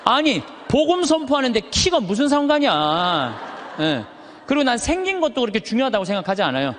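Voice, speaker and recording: High, full-voiced male priest in a reverberant hall. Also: huge pitch swings, fairly quick, a bit bright, slight background noise. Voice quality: high but thick, full voice that carries. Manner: emphatic, uses rhetorical questions and stretched words for effect. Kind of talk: animated motivational sermon to a live audience. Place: large hall, speaking to an audience.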